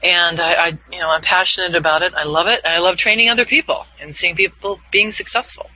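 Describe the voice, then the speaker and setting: A man in his fifties, a voiceover coach leading an online class, upbeat and quick to laugh. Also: high voice, steady tone, pushed and bright. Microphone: video call. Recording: dull, lo-fi video call audio.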